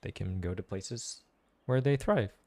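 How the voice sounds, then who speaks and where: A gaming streamer reacts to a story quest with casual, musing playthrough commentary and analysis, repeating phrases for emphasis. His voice is on the low side and mellow, and he talks a little slowly.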